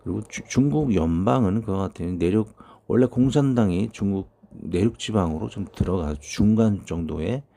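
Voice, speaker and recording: Pastor in his fifties, low and gravelly, talks through his sermon casually. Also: moderate pace, hardly any pauses, dark tone. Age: 50s. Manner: conversational, thinking aloud with many fillers. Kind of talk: sermon reading and commenting on prophecies.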